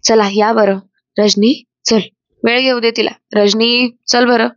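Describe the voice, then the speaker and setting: An elderly patriarch, voiced by a woman narrator gives firm, calming orders to his family. The recording is dry and slightly dull. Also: fairly high pitch, takes it slowly, dry recording.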